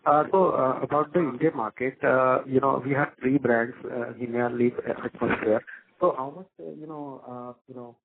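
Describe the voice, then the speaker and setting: A man asking questions on a conference call over a breaking-up phone line, talking in a halting way with many hesitations. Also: medium pitch, steady tone, slight background noise. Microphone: phone, not on the handset. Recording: tinny, narrow phone line.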